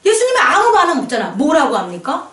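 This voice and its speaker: A woman pastor preaches to her congregation with a high, lively voice that swoops up and down. She keeps asking them questions for answers. The sound is roomy and comes from some distance off the mic. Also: fast. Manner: animated preaching with call-and-response questions. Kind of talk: sermon. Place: small church. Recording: echoey church hall, mic at a distance.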